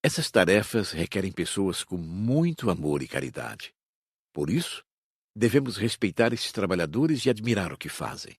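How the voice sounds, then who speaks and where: A Brazilian man playing a patient spirit teacher in an audiobook, explaining in a measured, didactic way. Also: sits low, very animated, breathy edge, dry recording, studio quality, heavily acted. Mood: calm, instructive. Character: patient male spirit teacher instructing his students. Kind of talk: audiobook dramatized reading.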